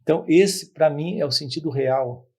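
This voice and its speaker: A man giving a spiritual talk to his channel's viewers, speaking in measured phrases with repetitions and pauses. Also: on the high side, warm tone. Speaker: spiritual teacher.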